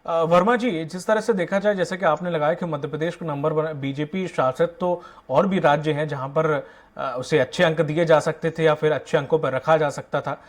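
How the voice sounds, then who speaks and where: A man anchoring a televised political debate, putting probing questions to the panel. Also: on the high side. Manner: probing questions, brief acknowledgements.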